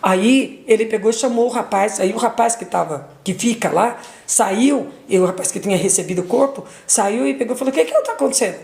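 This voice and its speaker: A middle-aged woman giving an emotional testimony as a mother, retelling dialogue, repeating words, her voice leaping high at intense moments. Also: brisk, creaky, few pauses, a little mellow, reverberant.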